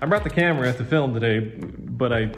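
A man's voice: medium pitch, brisk. Laid-back guy filmed on his phone. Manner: laid-back and enthusiastic, slangy. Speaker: woodworking channel host. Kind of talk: casual workshop vlog. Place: woodworking shop. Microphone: filmed on his phone's built-in mic.

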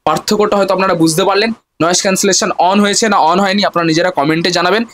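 A high-voiced man rattles through a chatty gadget demo at breakneck speed, his voice coming through a wireless clip-on mic with noise reduction artifacts. He keeps turning to his viewers as he talks, and his voice has a processed, gated edge from the noise cancelling. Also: fairly even intonation, fairly bright tone. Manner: fast, chatty, repeatedly addressing viewers. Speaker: tech vlogger reviewing a wireless mic. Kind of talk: casual product demo. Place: room at home with a fan running. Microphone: wireless clip-on transmitter.

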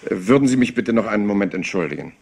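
A rumpled, dogged police detective in a crime drama. His voice is rather low and husky, and he rattles along in a polite, offhand, apologetic way. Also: lively intonation, rapid-fire, a little mellow, full character voice. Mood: polite, probing. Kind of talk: German-dubbed TV crime drama acting.

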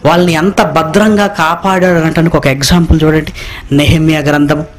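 A man's voice: on the high side, fairly even intonation, a little fast, a little hiss or hum. A man preaching a sermon, asking the congregation rhetorical questions and repeating phrases for emphasis. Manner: reads scripture line by line, echoing the congregation.

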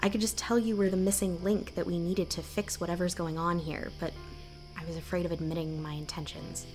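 Audio drama supporting role, female actor: frank small-town woman, slightly low, apologetic, light music underneath. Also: steady tone, a little fast, a little mellow, natural voice. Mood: confessing. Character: candid, apologetic local woman with secrets.

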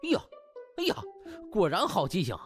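A man voicing a smug young male trainee doctor in an audiobook, teasing and mock-polite with drawn-out interjections. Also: high voice, huge pitch swings, voice pushed up. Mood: feigned politeness. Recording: music bed behind.

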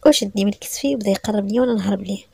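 A woman storyteller with a Moroccan Arabic accent tells a first-person story at a rapid clip. Her voice is gravelly and dark with a slightly high pitch, and the sound is dry and close. She tells it in an emotional, breathless way. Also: no room sound.

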